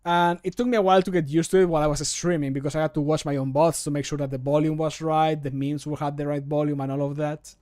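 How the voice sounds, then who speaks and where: A man in his thirties with a slightly high voice, chatting on a livestream from a small room at home. He rambles casually and pokes fun at himself. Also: flat delivery, fast, few pauses, a little mellow, clear, resonant tone. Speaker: streamer and game modder.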